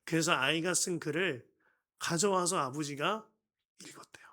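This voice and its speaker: Bright, high-voiced male pastor storytelling. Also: normal speed. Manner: animated storyteller acting out quoted dialogue, shifting between loud and hushed. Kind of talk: dawn prayer sermon storytelling.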